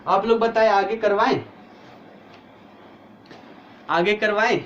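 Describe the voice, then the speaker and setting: Speaking slowly in a high voice, a tired male teacher with a headache leads an online exam-prep history lecture, working through points step by step and questioning students. The sound is dull, with slight background noise.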